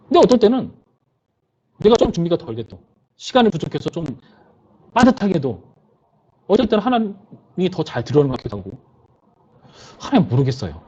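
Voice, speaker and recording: A man's voice: fairly high pitch, huge pitch swings, brisk, pauses often, darkish tone, breathy edge, muffled recording. A male pastor preaching to a youth service in a conversational way, often putting questions to his listeners.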